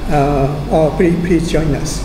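Japanese man, middle-aged, Japanese accent, slow halting delivery, slightly high voice, echoey hall. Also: steady tone. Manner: halting, many fillers and restarts. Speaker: conference speaker. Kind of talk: conference talk presentation. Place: large conference room. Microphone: room mic at the lectern. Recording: echoey hall, air conditioner hum.

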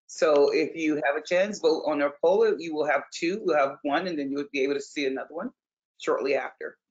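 A man hosting an online pitch event, upbeat and running things along with some fillers. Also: a little fast. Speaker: event host. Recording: dull lo-fi video call audio.

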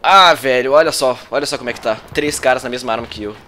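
A man's voice: medium pitch, quick pace, a little hiss or hum. A young Brazilian man giving nervous live commentary over his own gameplay, swearing at the game and bursting out in yelps when things happen. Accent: Brazilian Portuguese. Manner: excitable, swears at the game, frequent outbursts. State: nervous and sweating. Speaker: gaming youtuber.

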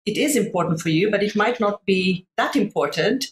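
A middle-aged woman from Sri Lanka, a coach speaking on a video call from home, thoughtful and searching for her words with many pauses and fillers. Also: medium pitch, expressive, slight background noise. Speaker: master coach, panel guest. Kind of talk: reflective panel discussion. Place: room at home.

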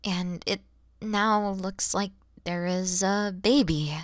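A woman's voice: mid-range voice, slow, dry recording, clean studio sound, natural voice. A woman voicing a kind, motherly and playful dragon woman in an ASMR audio roleplay, speaking expressively and directly to the listener. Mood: explaining, reassuring. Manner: expressive, teasing, gentle, addressing the listener directly.

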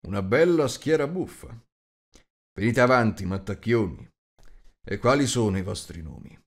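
A man voicing a gruff, rude, huge shape-changer who growls and talks bluntly. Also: fairly low pitch, lively intonation, normal speed.

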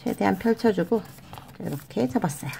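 A woman hosting a children's origami tutorial, explaining each fold step by step in a gentle, sing-song way and addressing the kids as friends. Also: medium pitch, animated, brisk, gravelly, slight background noise. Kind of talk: step-by-step craft instruction.

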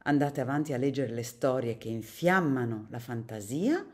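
Low-voiced, animated woman reading to kids. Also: moderate pace. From Italy. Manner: warm, animated storytelling. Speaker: children's book reader. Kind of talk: reading a picture book aloud to children.

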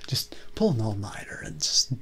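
A young man playing a chill, eccentric Californian surfer-dude resort manager in a soft, whispery voice for comedy ASMR roleplay. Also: fairly low pitch, very animated, slightly rough, full character voice. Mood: welcoming, chill. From California, United States. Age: young adult. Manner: laid-back, slang-heavy, drawn-out. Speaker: ASMR performer.

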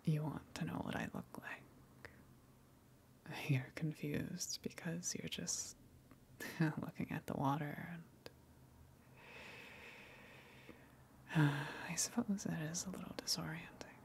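A woman voicing a lonely, gentle tentacled sea monster in a breathy whispered ASMR roleplay, hesitant and earnest as she speaks. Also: sits low, fairly even intonation. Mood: nervous, coy. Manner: hesitant, confessional, halting, earnest.

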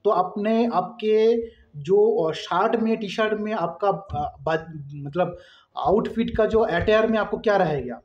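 A man talks casually to his phone in a distinctly high voice. He circles back over his points with plenty of filler phrases. The sound is dull and echoey, as from a small bare room. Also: takes it slowly. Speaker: vlogger. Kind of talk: casual opinion vlog to camera. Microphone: phone at arm's length. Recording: dull, roomy phone recording.

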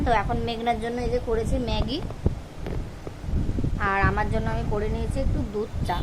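A woman in her thirties talks fast in a slightly high voice, rambling from one small household detail to the next. It's a casual home vlog filmed on a phone. Steady background noise and passing vehicles sit under her voice. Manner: chatty, rambling, piles up everyday details. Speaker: vlogger, mother. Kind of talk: casual daily vlog narration. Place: home, later outdoors on a night street. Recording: noisy phone recording with street sounds.

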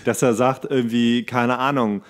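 A man's voice: medium pitch, fairly even intonation, normal speed. A man hosting a podcast in casual chat, thinking aloud in a rambling way with English slang mixed in. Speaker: podcast host.

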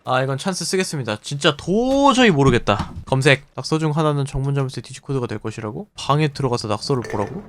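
A man's voice: medium pitch, expressive, quick pace, hardly any pauses, a little hiss or hum. A man giving casual running commentary while playing a video game, frustrated and exclaiming, muttering numbers to himself. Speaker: game streamer. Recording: game music behind the voice.

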